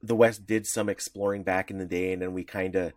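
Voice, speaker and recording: A man's voice: fairly even intonation, fairly quick, no room sound, studio quality. A man co-hosting a podcast, talking casually and rambling with frequent chuckles. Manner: rambling, chuckling, pitch jumping around. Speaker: podcast co-host. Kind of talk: casual chat.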